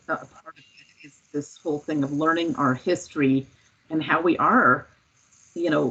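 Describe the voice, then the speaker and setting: With an American accent, a woman speaks at a moderate pace in a very deep, low pitch. Her tone is bright and sharp, and her loudness swings widely. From Colorado, US. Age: 60s. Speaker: professor. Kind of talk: Q&A in online workshop. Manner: halting, many fillers and restarts.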